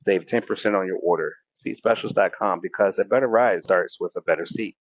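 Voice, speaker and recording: A man's voice: sits low, a little fast, breathy edge, dry recording, highs cut off. A male announcer reading a scripted advertisement in a punchy, salesy way. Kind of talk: scripted radio ad read.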